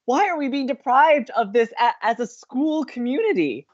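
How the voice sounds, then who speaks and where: A young campus radio host in an audio drama, gleeful and romantic. His pitch swoops about as he teases and stresses words dramatically. The sound is slightly dull. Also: normal speed. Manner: excitable, teasing, dramatic emphasis. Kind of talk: bantering audio drama dialogue.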